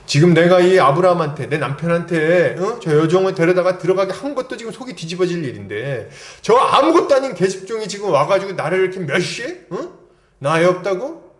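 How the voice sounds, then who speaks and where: A man voicing a furious, scorned middle-aged wife who scolds in sharp rhetorical jabs. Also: fairly low pitch, steady tone, fast, few pauses, roomy sound, voice pushed down, lightly acted. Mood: outraged.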